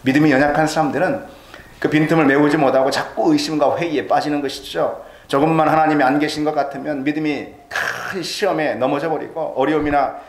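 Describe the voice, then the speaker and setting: Korean pastor preaching in an echoey church. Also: male voice, on the high side. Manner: dramatic preaching, voicing doubters' quoted lines. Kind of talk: sermon. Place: church sanctuary.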